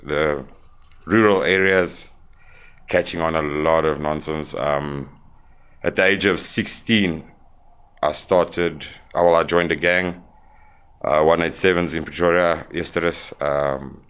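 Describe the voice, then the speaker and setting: Man, South African accent, deep, smooth, halting, candid podcast guest. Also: fairly even intonation, fairly bright tone. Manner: plain-spoken, halting with fillers. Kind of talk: candid interview storytelling.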